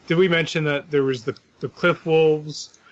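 A man in casual podcast chat who adds chatty, quick interjections. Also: fairly high pitch, steady tone, a crowd in the background. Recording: dry, dull lo-fi recording.

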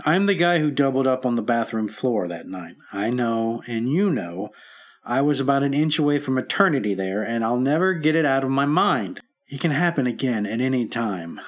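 A man's voice: medium pitch, close to an everyday voice. An actor playing a frightened businessman laid up after a heart attack in a vintage radio drama, talking bluntly and bitterly. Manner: bitter, self-pitying, blunt. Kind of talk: 1950s radio drama acting.

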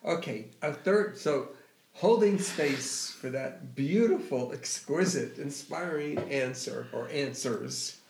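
A man's voice: mid-range voice, slow pace, vocal fry, darkish tone, slight background noise. A man hosting a podcast interview, effusive and enthusiastic in his questions. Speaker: host. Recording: echoey room.

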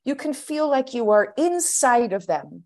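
A woman from Pittsburgh, a stage actor, speaking as a guest on a podcast in a thoughtful, measured way. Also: a little high, big pitch swings. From United States (Pittsburgh). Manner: thoughtful, measured, often laughing softly. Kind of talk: casual podcast interview.

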